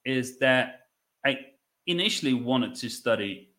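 A man in his thirties from the Netherlands with a Dutch accent, telling his story conversationally as a podcast guest, in a reflective way with halting phrasing and repeated words. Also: mid-range voice, lively intonation, pushed and bright. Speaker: podcast guest, business owner.

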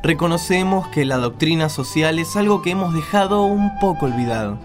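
A man's voice: on the high side, lively intonation, fairly quick, over music. A man with an Argentine accent, presenting and narrating a scripted radio drama.

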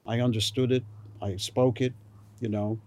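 An older man from New York recalling his childhood in a slow, rambling interview, with many fillers. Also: medium pitch, flat delivery, a little mellow. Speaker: author. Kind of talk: oral history interview.

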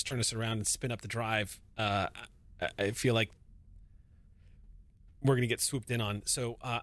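A man's voice: medium pitch, a bit bright, no room sound, lightly acted. A man voicing a nervous male ship pilot who stammers and rambles anxiously.

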